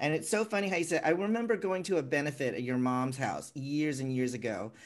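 Against a quiet background, a man with an American accent talks at a fairly quick pace, his fairly high pitch carrying lively intonation. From US, California. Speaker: actor and comedian, podcast host; podcast host. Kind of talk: casual chat. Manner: animated. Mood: chatty, amused.

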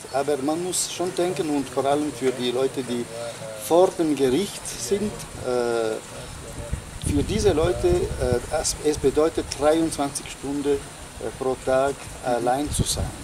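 A man with an Italian accent talks at a very slow pace, his pitch varying in an ordinary way. Noticeable background noise runs underneath. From Italy, Piedmont. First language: Italian (speaking German). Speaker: prison chaplain. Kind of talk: interview. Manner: halting, many fillers. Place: garden.

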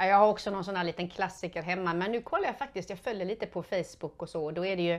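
A woman races along at a very fast pace, her pitch varying in an ordinary way. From Skåne, southern Sweden. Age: 50s. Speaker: prosecutor and former local politician; interviewee. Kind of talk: interview; interview answer. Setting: filmed interview. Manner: halting. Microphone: lapel.

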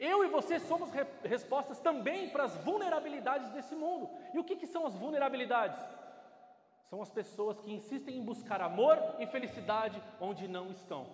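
The tone is animated, with very wide pitch swings. Audible room echo sits over a quiet background. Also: man, extremely high pitch for a man, moderate pace. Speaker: preacher. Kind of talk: sermon. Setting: church. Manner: fervent, exhortative; animated, direct appeals to listeners. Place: church. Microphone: handheld.

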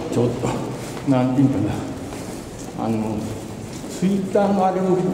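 Amid audible room echo and noticeable background noise, a man speaks at a fairly slow pace with very wide pitch swings. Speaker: mayoral candidate. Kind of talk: casual talk. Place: hall. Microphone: camera far.

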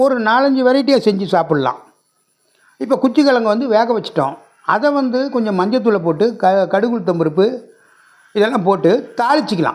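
The man's voice sits high. He talks with lively intonation. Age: 60s. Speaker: YouTuber sharing memories. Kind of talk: casual storytelling monologue.

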